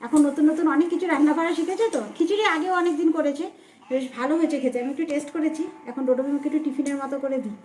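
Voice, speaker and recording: Mom vlogger rattling on about breakfast and the kids, quick talker, mellow voice, highish pitch. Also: female voice, steady tone, a little hiss or hum. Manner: chatty, narrating chores and meals as she goes. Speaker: family vlogger and mother. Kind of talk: casual home vlog chat. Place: family home kitchen.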